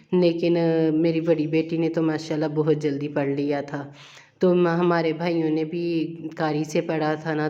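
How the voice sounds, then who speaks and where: A woman's voice: deep voice, highs cut off. A middle-aged woman, chatting casually to viewers while she cooks in her home kitchen. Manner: chatty, homely, repeats herself warmly. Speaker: vlogger. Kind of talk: casual chat while cooking.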